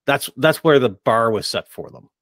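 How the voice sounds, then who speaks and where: Male podcast host, middle-aged, mid-pitched, conversational and halting, close dry recording. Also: sing-song, fairly bright tone, dry recording. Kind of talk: casual discussion of tabletop gaming.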